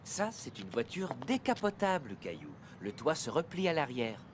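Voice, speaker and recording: A man voicing a calm, friendly young father in a cartoon, who explains things easily to a child over music. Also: fairly high pitch, moderate pace, noisy background. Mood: explaining. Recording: music playing behind.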